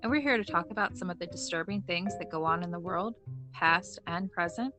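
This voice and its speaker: A woman's voice: lowish voice, fairly quick, over music. A woman co-hosting a podcast in casual banter, dropping dry, teasing remarks. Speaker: podcast co-host reacting to the story.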